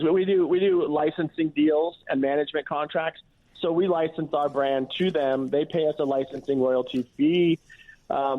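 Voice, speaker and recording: A man who is a chef and restaurant owner, talking casually as a radio interview guest, with lots of restarts and "you know"s. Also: a little high. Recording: tinny phone-line audio.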